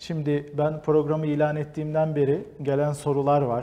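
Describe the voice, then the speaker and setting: A man at a fairly slow pace, fairly high in pitch, with a dark, mellow tone. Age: 30s. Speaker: family counselor and TV presenter. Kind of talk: TV program introduction. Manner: formal; hesitant fillers.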